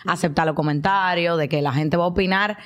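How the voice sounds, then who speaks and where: Una mujer presenta un podcast y hace preguntas largas y conversadas a su invitada. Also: female voice, on the low side, brisk. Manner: chatty, rambling questions. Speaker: podcast host. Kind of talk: casual podcast interview.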